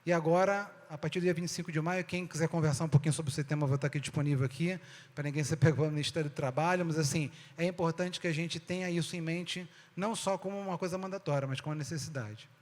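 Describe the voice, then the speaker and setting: A man's voice: a little high, fairly even intonation, quick pace. A Brazilian man with a slightly raised voice speaks on stage to an audience, his words ringing through a hall with a long reverb. He keeps it conversational, calls the crowd "gente" and keeps asking rhetorical questions. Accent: Brazilian Portuguese. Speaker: speaker giving a talk.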